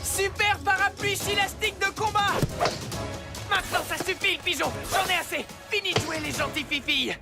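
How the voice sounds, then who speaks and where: Cocky kid hero cartoon voice, high, big music behind. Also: female voice, fairly even intonation, moderate pace. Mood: cocky, combative. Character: brash, plucky child superhero in a girly costume. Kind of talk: French-dubbed cartoon acting.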